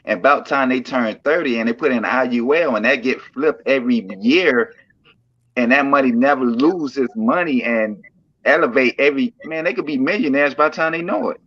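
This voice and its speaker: A man's voice: mid-range voice, moderate pace, a bit bright, dull audio. A man on a casual panel chat, dropping short agreements and casual slang.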